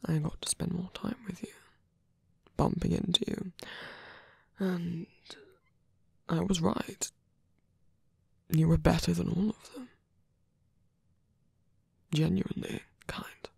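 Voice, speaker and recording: A man acts out a villain in love for an intimate ASMR roleplay. His voice is very breathy and gravelly, recorded dry and close. He speaks slowly and hesitantly, often near a whisper, flirtatious yet sincere and protective. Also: sits high, fairly even intonation, dry recording, heavily acted. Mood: hesitant, tender. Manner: halting, hesitant confession with small sighs. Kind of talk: ASMR roleplay, intimate one-sided dialogue.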